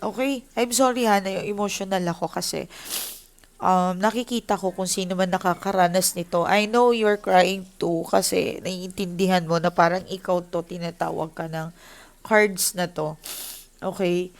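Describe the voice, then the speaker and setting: A woman with a lowish, gravelly voice and a steady tone speaks at a moderate pace. She's a tarot reader doing a casual, emotional reading, talking straight to her viewers and mixing Tagalog with English.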